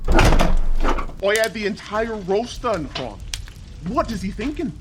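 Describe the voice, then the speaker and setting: An exasperated giant cook from an audio drama. The voice is fairly high and full of complaint, set against clear background noise. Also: male voice, big pitch swings, takes it slowly, exaggerated voice.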